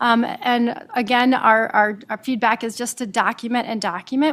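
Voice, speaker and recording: A woman with a Midwestern American accent speaks at a fairly high pitch. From US Midwest, Nebraska. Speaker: immigration lawyer. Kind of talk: webinar presentation. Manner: fast; animated.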